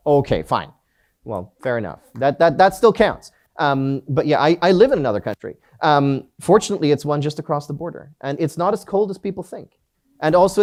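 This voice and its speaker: A man's voice: fairly high pitch, darkish tone. Chatty, joking man presenting at a conference. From Canada. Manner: self-deprecating joking, many fillers and restarts. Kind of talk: live conference talk.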